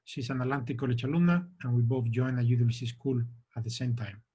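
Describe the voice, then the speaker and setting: A middle-aged man speaks as the head of a college, delivering a formal welcome address in a measured, earnest way. His voice has a husky, slightly breathy texture at an average pitch for a man. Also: mellow.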